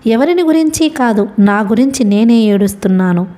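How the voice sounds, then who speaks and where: Tearful bitter mother, voiced by a woman narrator, high mellow voice, crying through reproach. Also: lively intonation, moderate pace, natural voice. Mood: weeping. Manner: pleading, reproachful. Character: grieving middle-aged mother, bitter and tearful.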